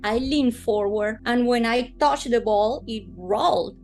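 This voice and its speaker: A woman with a Colombian accent, a native Spanish speaker, telling a personal story in an interview with expressive, dramatic emphasis. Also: a little high, measured pace, soft background music. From Bogota, Colombia.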